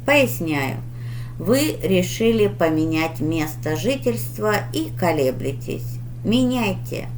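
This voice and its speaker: A woman reading tarot for her viewers in a deliberate, instructive manner, with pauses and emphatic advice. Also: on the low side, very animated, a little mellow, slight background noise. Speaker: tarot reader hosting her channel.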